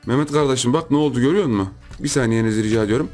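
A man hosting a gaming channel, giving lively gameplay commentary, repeating himself and yelping in surprise while chatting to his viewers. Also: medium pitch, rapid-fire, faint music behind. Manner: excitable, repeats phrases, shouts in surprise; chatty, addresses viewers as friends.

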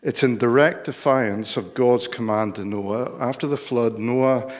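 An older man with a Northern Irish accent preaching a sermon in a measured, explanatory way from a church stage. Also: mid-range voice. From Northern Ireland. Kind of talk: sermon with Bible reading. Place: church hall, speaking from lectern on stage. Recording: long hall reverb.

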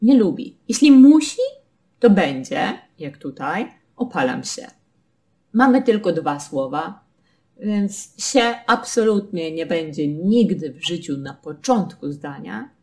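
A woman's voice: lowish voice, expressive, slow pace, mellow. A woman teaching a language lesson, patiently explaining grammar rules with spoken example sentences.

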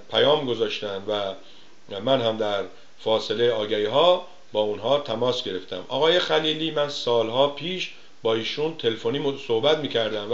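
A man's voice: medium pitch, a bit bright. A man from Iran hosting a TV talk show, chatting casually and joking as he tells stories and mimics the people he quotes. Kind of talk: casual monologue on call-in TV. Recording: roomy, slightly dull studio sound.

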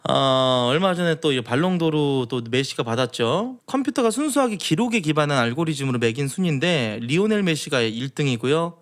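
Young male streamer, casual commentary, lively voice that jumps around, slips into other voices. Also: on the high side. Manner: animated, acts out dialogue in shifting voices. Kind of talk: casual commentary on news and stories.

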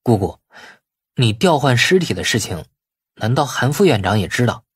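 A deferential younger nephew in an audiobook story, voiced by a male narrator. His tone is curious and questioning, with lively intonation and a faintly husky grain. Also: medium pitch, moderate pace, dry recording, studio quality. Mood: quietly probing. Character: polite, curious younger nephew, a company chairman. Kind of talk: dramatised audiobook dialogue.

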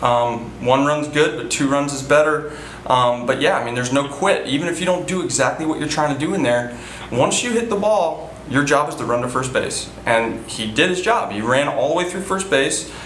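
This post-game press interview features a thirty-something man who manages a baseball team, speaking at normal speed in a mid-range, slightly bright voice. He answers earnestly but keeps repeating himself, filling gaps and restarting often. The poor-quality recording sounds roomy, with a bit of background noise, and was made in an indoor press room before a sponsor backdrop.

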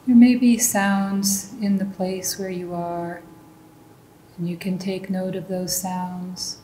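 A woman leading a guided meditation as a teacher, giving calm, gentle instructions. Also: slow pace. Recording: roomy echo, faint low rumbling noise.

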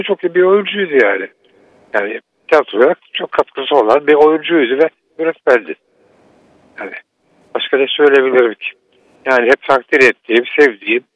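A man's voice: mid-range voice, a bit bright, no echo. An older man calling in to a radio show over a phone line, shaken and repeating himself. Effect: radio show caller on a phone line. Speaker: theatre teacher phoning in to a broadcast.

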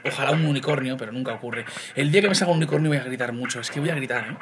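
A young man with a Spain Spanish accent, chatting casually to his viewers as he narrates his gameplay in an excitable way. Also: medium pitch, very fast. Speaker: gaming YouTuber. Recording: loud background noise.

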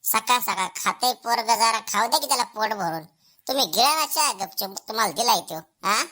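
A woman's voice: fairly high pitch, animated, normal speed, pushed and bright. A woman voicing a doting but scolding old village grandmother in a comedy cartoon, nagging and protective, with a rural Maharashtrian accent. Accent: rural Maharashtrian Marathi. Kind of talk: Marathi comedy cartoon dialogue.

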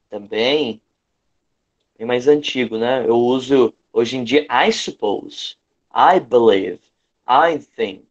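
A man with a Brazilian accent teaching an online lesson, reading a fairy tale aloud and explaining it didactically, repeating phrases for emphasis. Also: medium pitch. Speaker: English teacher. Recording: dull, lo-fi online call audio.

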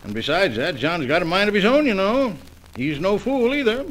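Folksy small-town doctor, noisy recording. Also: male voice, high-pitched, sing-song, normal speed, fairly bright tone. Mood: indignant, helpful. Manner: folksy, colloquial, chuckling drawl. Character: folksy, good-humored small-town doctor, loyal and plain-spoken. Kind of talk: old-time radio soap opera acting. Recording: noisy old radio recording.

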